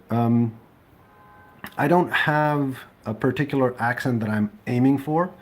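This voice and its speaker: Slow, mellow man chatting live. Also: medium pitch. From Serbia. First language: Serbian. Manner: hesitant, many ums and restarts. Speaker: livestream host. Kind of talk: casual live chat reading comments.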